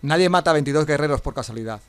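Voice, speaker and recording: Man acting a formal, brisk medieval king. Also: a little high, clear, resonant tone, dry recording, close to an everyday voice. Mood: impressed. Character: formal, admiring medieval king of a ruined city. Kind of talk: radio drama acting.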